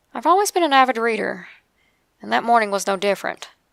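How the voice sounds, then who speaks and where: A woman speaks with a Southern US accent. Her pace is very fast. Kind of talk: dramatic reading of a personal ghost story. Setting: home recording with headset.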